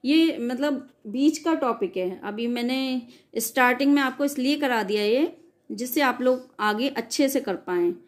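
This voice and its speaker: A woman's voice: sits high, measured pace. Woman teacher reading out grammar notes. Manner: reads out definitions, then re-explains them in loose spoken asides; frequent self-corrections and "sorry". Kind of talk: exam-prep grammar lesson.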